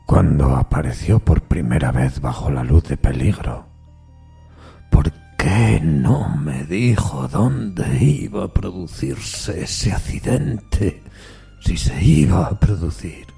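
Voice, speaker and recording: A man playing an anguished railway signalman haunted by a spectre, earnest, deferential and hushed, in a dramatic audio story. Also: rumbling low, animated, slow, creaky, husky, soft background music, exaggerated voice. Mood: desperate, pleading. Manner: troubled, pensive, hushed.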